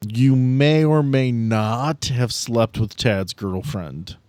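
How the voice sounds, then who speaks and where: A man's voice: mid-range voice, slow, darkish tone, no room sound. A man running a tabletop game, narrating off the cuff and bantering casually with the players. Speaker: game master.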